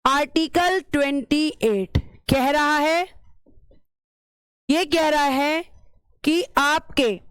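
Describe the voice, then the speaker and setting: A woman's voice: high-pitched, extremely slow, pauses often, no echo, studio quality. A woman teacher giving an exam-prep lecture, repeating key terms and asking and answering her own questions, calling her students "beta".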